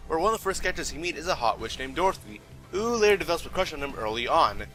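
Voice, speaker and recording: A man's voice: on the high side, big pitch swings, rapid-fire, a bit bright, soft background music, poor audio. A young man narrating a scripted comedic anime review with sarcastic, joking asides.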